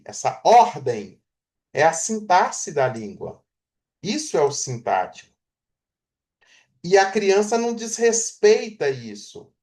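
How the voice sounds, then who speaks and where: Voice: medium pitch, a little mellow. A Portuguese teacher giving a grammar lecture, explaining through everyday examples and often checking in with the class.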